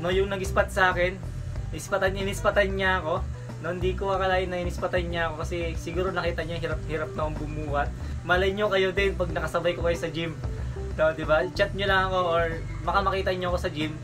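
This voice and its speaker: A man rattles off his words very fast while music plays clearly behind him. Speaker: fitness vlogger. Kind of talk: casual vlog chat. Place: home room. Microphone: phone near.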